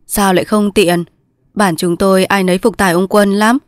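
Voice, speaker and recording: A woman voicing a calm, kindly old male villager who speaks plainly in a storybook reading. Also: medium pitch, moderate pace, dry recording, clean studio sound, close to an everyday voice.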